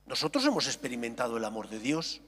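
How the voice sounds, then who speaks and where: A man preaching as a Catholic priest at Mass, solemn and measured, with deliberate phrasing. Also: mid-range voice, very animated, a bit bright, breathy edge. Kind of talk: solemn liturgical reading and homily. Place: large echoing church. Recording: echoing cathedral-like hall, long reverb.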